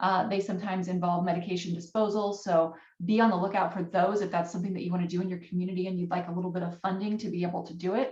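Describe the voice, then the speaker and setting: The speaker goes very fast with hardly any pauses, somewhat breathy and in a flat monotone. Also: woman, medium pitch for a woman. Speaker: presenter from state prescription monitoring program. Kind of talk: webinar presentation. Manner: halting with many fillers.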